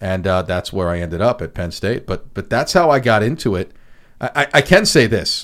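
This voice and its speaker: Moving at a fairly quick pace, a man with an American accent speaks at a medium pitch with very wide pitch swings. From US Northeast, Long Island, New York. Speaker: sports play-by-play broadcaster. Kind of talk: casual chat. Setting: studio.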